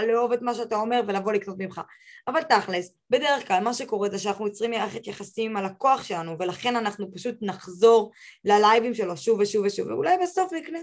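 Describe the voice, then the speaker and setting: A young woman, a guest on a podcast, talking in a casual and emphatic way, her voice rising high when she gives advice. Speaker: podcast guest, social media expert.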